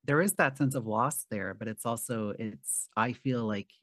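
Podcast host, relaxed and dry. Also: medium pitch, normal speed, no echo. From Canada. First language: Arabic. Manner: relaxed, reflective, with filler "um" and "like". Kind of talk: casual interview chat.

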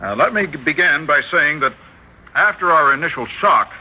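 An actor playing a scientist who briefs the press in a halting way in a vintage radio drama. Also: male voice, on the high side, animated. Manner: halting, with fillers. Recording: dull old radio recording.

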